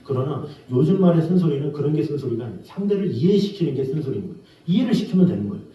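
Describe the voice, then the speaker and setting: A man's voice: fairly high pitch, expressive, very fast. A middle-aged man preaching a sermon as pastor in a church sanctuary. He talks in a conversational way, asks rhetorical questions and acts out the people he quotes. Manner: acts out quoted scolding and gentle voices. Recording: roomy, distant, dull church recording.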